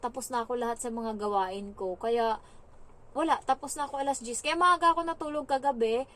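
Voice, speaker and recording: Young woman from the Philippines, casual vlog storytelling, chatty, fillers, a bit high-pitched. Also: a little fast, a bit bright. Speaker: vlogger, domestic helper.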